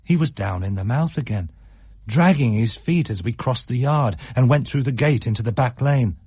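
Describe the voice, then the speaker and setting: A man reads a story aloud for radio, his voice husky and full of lively swings in pitch. He slows and quickens to shape each scene. The recording is dry and close. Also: no echo. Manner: expressive, shifts pace for effect. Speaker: narrator.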